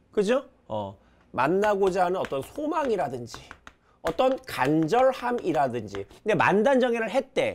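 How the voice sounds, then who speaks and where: Man teaching, high voice, very animated pitch, casual and teasing, reads passages aloud. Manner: casual, teasing, quizzes students with questions; reads character lines aloud with brief dramatizing. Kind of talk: Korean exam-prep lecture reading a classic novel.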